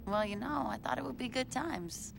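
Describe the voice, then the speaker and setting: A woman's voice: a little high, normal speed. An actress playing a cheeky, sarcastic young woman in a gang, in a video game. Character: laid-back young woman gang lieutenant. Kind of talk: video game cutscene acting. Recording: clear game background noise.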